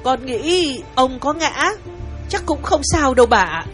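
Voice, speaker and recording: A man's voice: very high-pitched, lively intonation, measured pace, fairly bright tone, faint music behind, voice pushed up, heavily acted. A man voicing a young female household servant who speaks politely and hesitantly, fretting to her mistress. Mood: deferential.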